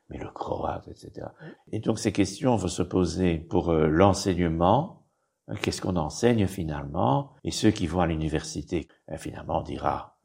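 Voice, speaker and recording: A man's voice: deep voice, gravelly, darkish tone, slightly rough. An older man, explaining history in an interview in a rambling, digressive way with frequent tag words. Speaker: bishop and historian guest.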